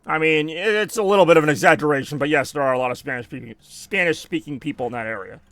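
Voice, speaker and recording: A man's voice: on the high side, quick pace, a bit bright, no echo. An American man chatting casually and rambling while streaming a video game, often correcting himself and reacting to his deaths in the game. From United States. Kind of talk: casual gameplay chat.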